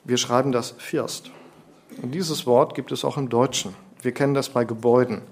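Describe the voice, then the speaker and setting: A man's voice: medium pitch, fairly even intonation, moderate pace. Man giving a sermon, asks questions then answers them, leans on key words. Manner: rhetorical questions, emphatic lecturing. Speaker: preacher.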